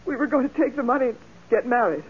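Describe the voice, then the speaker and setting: A woman's voice: a little high, lively intonation, fast talker, slightly rough. An actress playing a desperate, jilted young woman who has killed, melodramatic and defiant with sobs close by, in 1940s radio crime drama style. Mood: tearful confession. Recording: muffled, phone-like 1940s radio recording.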